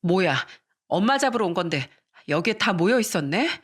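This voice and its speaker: A narrator voicing a furious, shrill wife who screams blame at her own mother in a dramatized story reading. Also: big pitch swings, normal speed, fairly bright tone, husky. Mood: furious screaming.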